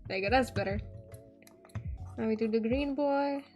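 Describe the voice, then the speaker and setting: A woman's voice: on the high side, moderate pace, darkish tone, faint music behind. A woman whose first language is Hungarian, rambling casually as she draws, trailing off mid-thought and swearing now and then. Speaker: artist streamer. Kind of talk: casual commentary while drawing.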